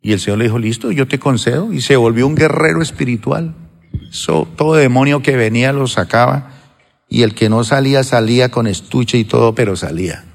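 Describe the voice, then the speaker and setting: A man preaching a sermon as pastor, retelling a story with quoted dialogue, rising emphatic and slowing to a hushed drawl. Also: medium pitch, creaky, in a large hall. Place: church sanctuary.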